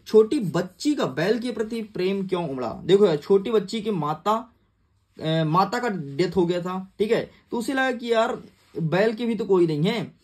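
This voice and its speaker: A man's voice: sits high, darkish tone. A young man teaching an exam-prep lesson in a casual, chatty way, talking to his students like friends. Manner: chatty, calls students "yaar" and "bhai".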